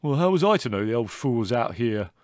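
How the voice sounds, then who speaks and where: A brash, unrepentant English youth from a storybook, played by a man. He is loud, blunt and belligerent, with indignation in a raised, dry-sounding voice. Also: medium pitch, lively intonation, moderate pace, no echo, pitched above the performer's own voice, close to an everyday voice. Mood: indignant.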